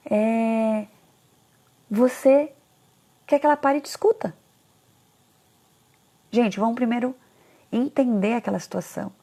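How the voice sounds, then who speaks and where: A woman talking casually to parents about children, animated, often acting out parents' complaints in a higher voice. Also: gravelly. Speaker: parenting educator.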